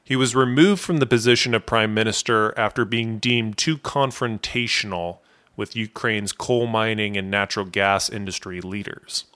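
A man hosting a podcast, reading a scripted history narration in a steady, explanatory way. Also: on the low side, moderate pace. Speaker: podcast host.

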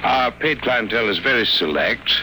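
An actor playing a small, older sanatorium doctor in a 1950s radio drama, courteous and formal, with measured phrasing. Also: male voice, mid-range voice, expressive, sharp tone. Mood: polite, businesslike. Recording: noisy vintage 1950s radio recording.

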